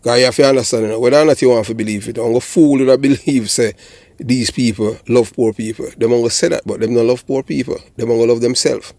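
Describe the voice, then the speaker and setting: A man's voice: mid-range voice, steady tone, quick pace, a little mellow, no echo. Blunt older Jamaican man, dry sound. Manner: blunt, emphatic, often checking with "you know" and "you understand". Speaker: channel host and commentator, former police officer. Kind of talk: political commentary monologue.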